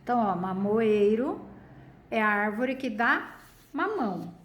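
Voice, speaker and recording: A woman's voice: on the high side, expressive, a little slow, reverberant, a little hiss or hum. A Brazilian woman teaching a primary school lesson, patiently asking questions and stretching key words. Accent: Brazilian Portuguese. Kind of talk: recorded lesson for children.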